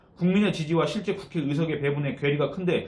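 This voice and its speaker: Against noticeable background noise, a man speaks at a fairly quick pace with a fairly high pitch and ordinary pitch variation. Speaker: magazine journalist. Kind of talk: political commentary to camera.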